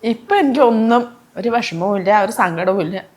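A woman's voice: medium pitch, animated, normal speed, darkish tone. A middle-aged woman, the interviewee's mother, answering in plain, matter-of-fact statements.

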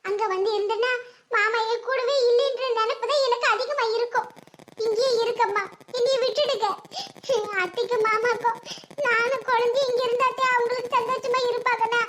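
A woman voicing a gentle young widowed mother with a southern Tamil Nadu accent, pleading softly. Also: very high-pitched, steady tone, a little fast, a little hiss or hum. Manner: pleading, soft.

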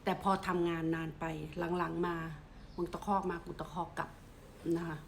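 A middle-aged woman from Thailand giving casual advice to camera. She speaks politely and steadily, softening almost every phrase with a gentle polite ending. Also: lowish voice, completely flat delivery, normal speed, vocal fry, slight background noise.

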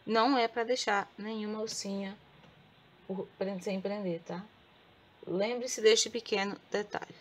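A Brazilian woman guides a crochet tutorial in a soft, quiet voice, counting each stitch aloud. She talks slowly and has a sore throat that keeps her from speaking up. Her pitch sits in an ordinary middle range. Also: fairly even intonation. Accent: Brazilian Portuguese. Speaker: crochet teacher. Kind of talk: step-by-step craft tutorial.

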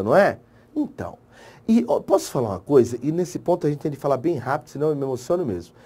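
A man with a Brazilian accent, an online course teacher giving an emotional motivational talk to exam candidates, swinging between soft and loud. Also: fairly high pitch. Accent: Brazilian Portuguese.

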